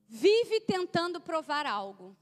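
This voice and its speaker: A woman's voice: very high-pitched, very animated, slow, faint music behind. A woman preaching a sermon, talking straight to her listeners, calling some by name and asking them to repeat after her.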